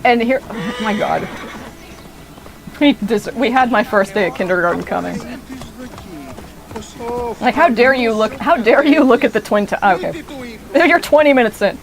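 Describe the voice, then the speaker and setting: A woman's voice: a little high, expressive, normal speed, pauses often, crowd noise. A woman in her twenties from the United States giving casual, rambling gameplay commentary, swearing freely. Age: 20s. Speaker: streamer.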